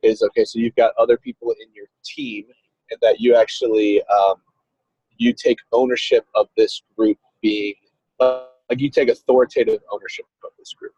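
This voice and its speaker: Over dull, lo-fi call audio from a phone on a video call, a man talks casually through his car speakerphone while driving, with faint music behind him and a dry sound. He's a ministry coach who rambles and restarts a lot. His medium-pitched voice is dark and husky, with a steady tone and moderate pace.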